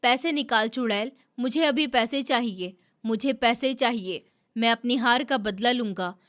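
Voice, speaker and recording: A woman's voice: a little high, a little slow, fairly bright tone. A woman voicing a drunk, violent gambling father, with a harsh, threatening manner.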